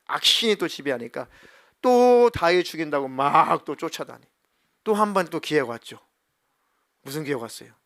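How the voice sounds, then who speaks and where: A middle-aged man preaching a sermon as senior pastor, telling a story with lively, acted-out dialogue. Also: fairly high pitch, no echo, clean studio sound. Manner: animated storytelling, acting out quoted dialogue.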